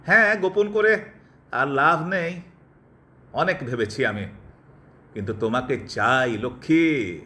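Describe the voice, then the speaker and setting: A man playing a cold, calculating doctor in an audio drama, pressing his love insistently and deliberately, with English phrases dropped in. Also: medium pitch, pushed and bright. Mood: insistent, confessing. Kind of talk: Bengali audio drama acting.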